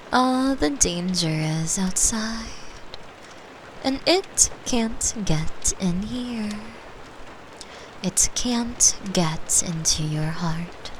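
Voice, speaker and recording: A woman performs a gentle being from another dimension, lonely and tender, in a comforting ASMR roleplay. Her words come extremely slowly, breathy and soft, often sinking into whispers. A faint rain-like ambience sits behind the voice. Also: medium pitch, slight background noise, low-quality recording.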